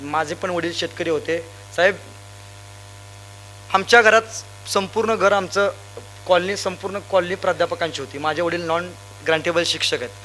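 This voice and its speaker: A young man from Sangli district, Maharashtra, giving a loud, emphatic motivational stage speech full of anecdotes. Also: high voice, normal speed, a little hiss or hum. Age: young adult. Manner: loud, emphatic, rousing, addresses crowd directly. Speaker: motivational speaker.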